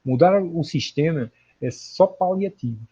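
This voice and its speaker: Casting: male livestream host, Portuguese accent, highish mellow voice, earnest and emphatic, casual talk over dull lo-fi audio. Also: expressive, measured pace, breathy edge. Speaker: online spiritual lecturer, livestream host. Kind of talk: casual livestream talk answering viewers' comments.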